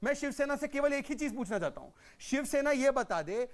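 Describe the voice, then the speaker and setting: A man's voice: very high voice, lively intonation, fairly quick. A man arguing as a panelist in a political TV debate, combative and rhetorical, often repeating his phrases. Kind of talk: heated political argument.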